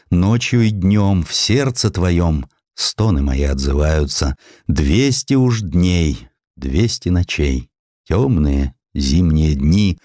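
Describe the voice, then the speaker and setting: Man voicing a deep, weary dying poet. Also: mellow, no room sound, studio quality. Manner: slow, solemn, drawn-out recitation. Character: dying male poet reciting his verse, weary, suffering.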